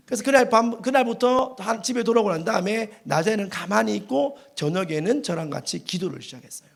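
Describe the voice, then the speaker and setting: A male pastor preaching a revival sermon in a church, telling stories with animated, dramatic delivery. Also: high-pitched, gravelly. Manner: animated storytelling with dramatic acted quotes.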